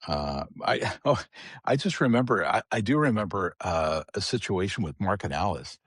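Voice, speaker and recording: A man's voice: low-pitched, expressive, normal speed, fairly bright tone, slightly rough, no echo, studio quality. A man guest on a podcast, telling stories in a rambling way with many restarts. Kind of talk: casual storytelling chat.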